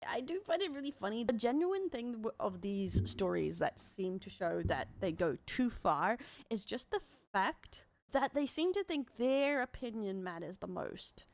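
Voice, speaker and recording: A woman's voice: on the high side, expressive, normal speed. A woman with an Australian accent giving casual, rambling streaming commentary.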